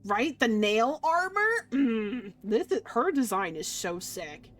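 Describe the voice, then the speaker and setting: A woman streamer playing a visual novel, reacting casually in a playful, slangy and expressive way. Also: a little high, slow pace, slight background noise. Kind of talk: animated read-aloud with casual reactions. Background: game music.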